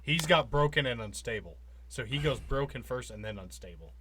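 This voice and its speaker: Lively-pitched man chatting over game rules. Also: brisk, a little hiss or hum. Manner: matter-of-fact, correcting details. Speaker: tabletop game player. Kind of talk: casual game-table chat.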